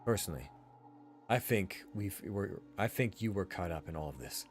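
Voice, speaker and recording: A man playing a composed, serious detective in a visual novel, speaking in a measured, deliberate way. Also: low voice, lively intonation, slight background noise. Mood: grave, reassuring. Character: composed, serious male detective, reassuring but guarded. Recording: music behind the voice.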